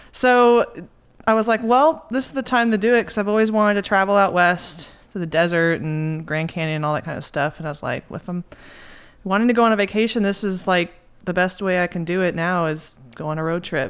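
A woman with an unremarkable speaking voice, medium pitch, ordinary pitch variation and a fairly quick pace. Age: 30s. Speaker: podcast guest, solo traveler. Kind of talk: casual chat. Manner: casual, filler-heavy speech.

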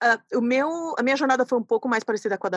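The intonation is lively. The sound is dry and close with no echo, over a quiet background. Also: woman. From Brazil. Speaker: product designer. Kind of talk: interview. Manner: halting.

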